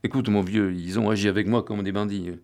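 A man's voice: on the low side, fairly even intonation, a little fast, a little mellow, natural voice. A man doing Thomas le Bouc, pushy crook. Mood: tearful confiding. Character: excitable, greedy petty crook, Thomas le Bouc.

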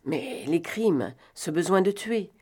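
Lady reading a pushy questioning guy, her low voice, firm. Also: animated, takes it slowly, warm tone, breathy edge, exaggerated voice. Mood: probing. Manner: questioning, insistent. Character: probing stern young gentleman. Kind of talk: audiobook reading.

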